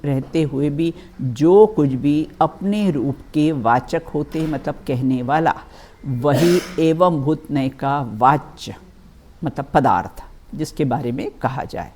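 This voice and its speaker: Slow-paced woman teaching scripture. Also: low voice, warm tone. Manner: slow, repeatedly checks with "है ना" and "बिल्कुल"; addresses listeners as children, gives everyday examples. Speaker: religious teacher. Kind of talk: reading and explaining a scripture text.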